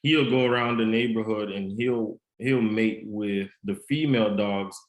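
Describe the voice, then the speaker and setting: Interview guest: low-pitched man with a faint Haitian Creole accent, unhurried and earnest, recorded in a reverberant room. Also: fairly even intonation. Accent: slight Haitian Creole. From United States. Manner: measured, earnest storytelling. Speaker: guest, author and mentor. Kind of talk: podcast interview. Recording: roomy echo.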